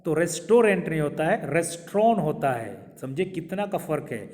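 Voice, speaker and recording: Male English teacher, fairly high voice, drills words one by one, lingering reverb. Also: sing-song, darkish tone. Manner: repeats words slowly, asks viewers questions. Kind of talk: pronunciation lesson to camera. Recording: long hall reverb.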